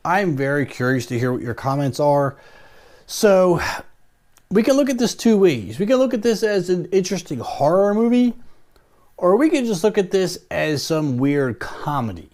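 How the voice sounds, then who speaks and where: A man's voice: a little high, darkish tone. A man hosting a movie news channel, chatting casually and musing aloud about a poster with plenty of hedging.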